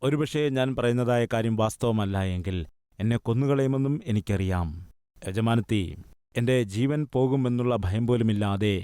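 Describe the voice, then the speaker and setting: A man's voice: medium pitch, moderate pace, warm tone, clear, resonant tone, no echo, clean studio sound, lightly acted. A man voicing an earnest, bold little servant girl who pleads with her mistress, acted within a sermon. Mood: pleading.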